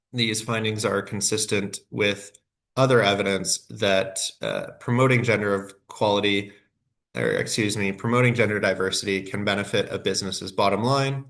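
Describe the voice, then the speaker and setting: A man's voice: lowish voice, fairly bright tone. A man with a head cold and a nasal voice, giving a scripted workshop presentation with frequent fillers and self-corrections.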